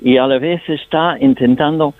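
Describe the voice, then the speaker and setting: An older male stage actor, appearing as a guest, answers radio interview questions in Spanish, which isn't his first language. His voice sits on the high side with a steady tone and normal speed, and he's thoughtful and anecdotal, with slightly non-native phrasing. The audio comes over a thin, tinny phone line and is dry, with no echo or room around it.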